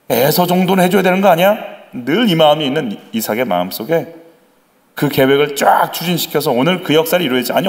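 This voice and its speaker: Male pastor preaching, voice jumps around a lot, slightly higher pitched, plays out little voices for the people in church. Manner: animated, acts out quoted voices; conversational, asks the congregation questions. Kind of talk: sermon.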